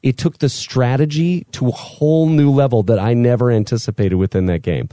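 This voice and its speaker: A man's voice: mid-range voice, fairly quick, mellow, no echo. A middle-aged man bantering casually and playfully as a podcast host. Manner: playful, joking.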